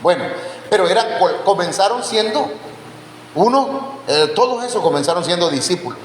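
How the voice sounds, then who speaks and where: In an echoey church hall with faint noise in the background, a man delivers a Bible teaching sermon at a moderate pace. His voice is high and animated, and he addresses his listeners as brothers while testing them with questions.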